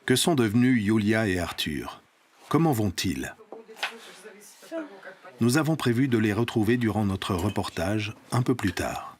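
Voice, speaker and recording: A man's voice: fairly low pitch, animated, measured pace, pauses often. A man with a Swiss French accent reading scripted narration as a documentary reporter.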